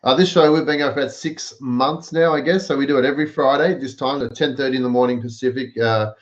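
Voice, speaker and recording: A man's voice: medium pitch, steady tone, fast talker. A man with an Australian accent, hosting a casual live stream chat and explaining things with many fillers over a video call. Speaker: live stream show host. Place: home, in the US. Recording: dull lo-fi video call audio.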